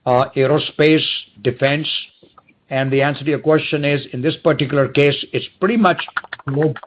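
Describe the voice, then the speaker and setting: A man's voice: fairly high pitch, steady tone, moderate pace. A man speaking as a company executive, giving unscripted answers on a dull, slightly noisy conference call. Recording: dull call audio with clicks, typing noise.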